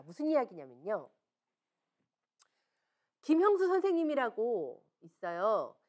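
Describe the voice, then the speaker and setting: A woman's voice: medium pitch, darkish tone. A woman speaking at a seminar, telling stories frankly and asking the audience rhetorical questions with emphasis. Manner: frank, conversational storytelling. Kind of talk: seminar lecture.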